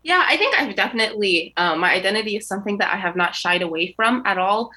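Bright-voiced young woman student. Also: medium pitch, animated, husky. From United States. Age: young adult. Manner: measured, articulate, frequent ums. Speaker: student guest. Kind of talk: radio interview.

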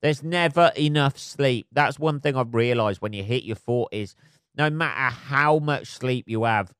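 A man's voice: lowish voice, clean tone, no room sound, studio quality. A man in his forties hosting a casual solo podcast, nasal and stuffed up from a cold, rambling and swearing as he mocks himself. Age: 40s. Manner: sweary, rambling, self-mocking. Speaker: podcast host. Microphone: phone camera.

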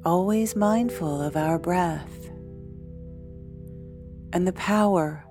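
A woman leading a guided meditation in a soothing, deliberate way, pausing often between short phrases. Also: fairly low pitch. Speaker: meditation guide, podcast host. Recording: background music. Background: soft instrumental music.

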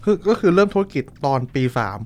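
A man's voice: sits high, expressive, quick pace. Male podcast host, casual and playful, chatty with lots of fillers.

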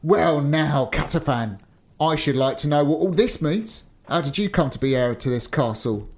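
A man voicing an indignant young male giant in a storybook, booming, imperious and exclamatory. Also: lively intonation, a little fast, darkish tone, lightly acted.

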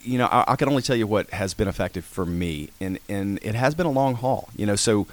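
Deep-voiced man, rambling. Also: lively intonation, a little fast. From Georgia, USA. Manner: rambling, self-correcting, folksy. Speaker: orthodontist guest. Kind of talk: casual radio interview. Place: radio studio. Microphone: studio mic with headphones.

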